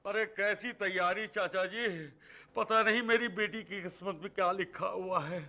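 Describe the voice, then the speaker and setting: A frightened pleading priest. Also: male voice, high-pitched, steady tone, normal speed, sharp tone, full character voice. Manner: pleading, anxious, stammering. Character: frightened, pleading male village priest, a father. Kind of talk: TV drama acting.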